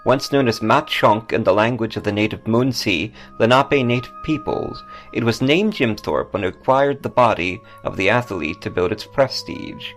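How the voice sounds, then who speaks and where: A man's voice: on the low side, expressive, moderate pace, hardly any pauses. A man hosting a podcast, reading scripted ghost stories and travel notes over music. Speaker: podcast host and author. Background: background music.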